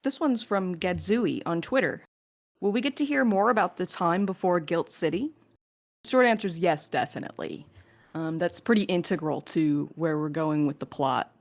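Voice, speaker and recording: A woman with a lowish, gravelly voice speaks at a moderate pace. She co-hosts a podcast and is also a crew member, casually answering listener questions with jokes and the odd swear word.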